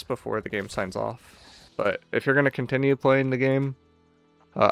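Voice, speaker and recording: Downcast man, smooth low-ish voice. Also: fairly bright tone. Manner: downcast, wistful, sighing resignation. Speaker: gaming channel streamer. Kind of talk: casual unscripted farewell commentary on a video game.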